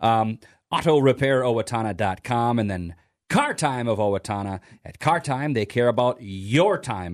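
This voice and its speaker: A man with an unremarkable speaking voice, medium pitch, ordinary pitch variation and a fairly quick pace over a quiet background. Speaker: radio co-host. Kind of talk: casual radio banter. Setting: radio studio.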